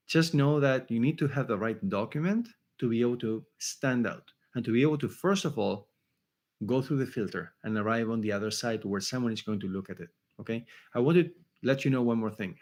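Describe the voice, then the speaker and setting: A man with an Argentine Spanish accent teaches a resume-building workshop at a mid-range pitch. He talks emphatically, repeats his key points, and keeps checking in with his listeners. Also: a little fast, darkish tone. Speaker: career coach.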